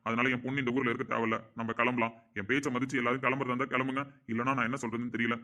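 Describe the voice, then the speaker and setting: A man's voice: mid-range voice, flat delivery, racing, sharp tone, close to an everyday voice. A man playing a middle-aged father who defends his daughter with emphatic, indignant speech in a family drama. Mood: subdued. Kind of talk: amateur family drama acting.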